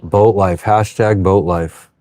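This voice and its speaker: A man in his thirties with a low-sitting, steady, mellow voice speaks slowly as he hosts a casual livestream from an anchored sailboat. He reads and answers viewer comments offhandedly, swearing freely as he chats. There's no room sound.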